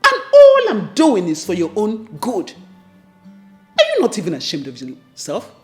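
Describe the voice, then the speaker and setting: A woman's voice: low-pitched, sing-song, takes it slowly, roomy sound, soft background music, full character voice. An actress playing a domineering middle-aged mother who scolds her son for not giving her grandchildren. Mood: scolding. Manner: scolding, bossy. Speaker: actor. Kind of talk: melodrama acting.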